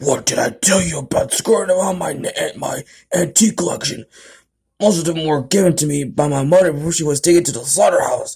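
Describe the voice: Putting on a menacing character voice, a man speaks fairly quickly at a high pitch.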